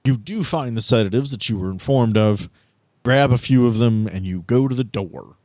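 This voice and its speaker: A man's voice: medium pitch, moderate pace, a little mellow, no echo. A man narrating a casual tabletop game as game master, with dry, teasing banter.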